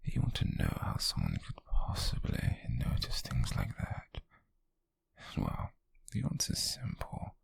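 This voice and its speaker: A British man playing an obsessive, possessive male stalker in an ASMR roleplay, speaking in a slow, breathy, raspy whisper, teasing and sinister, close to the microphone. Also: extremely low pitch, wildly swooping pitch, no echo, full character voice. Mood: unsettlingly attentive, then tender obsession.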